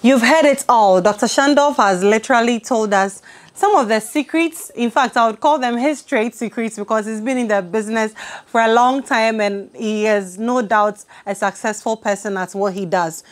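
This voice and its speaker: A woman's voice: on the high side, normal speed. Young woman hosting outdoors. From Ghana. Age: young adult. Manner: enthusiastic, frequent affirmations. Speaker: channel host. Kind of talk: interview and presenting to camera. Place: outdoor terrace with hills behind. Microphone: lapel mic.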